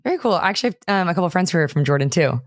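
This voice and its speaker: A young adult woman hosting a podcast interview, bubbly and quick to laugh. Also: on the low side, lively intonation, dry recording. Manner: bubbly, laughs often, eager responses. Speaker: podcast host.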